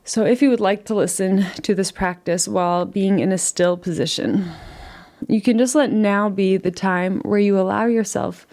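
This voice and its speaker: This meditation guide is a woman with a medium-pitched, creaky voice. She leads a guided relaxation slowly and soothingly, leaving long gaps between phrases and offering gentle invitations instead of instructions.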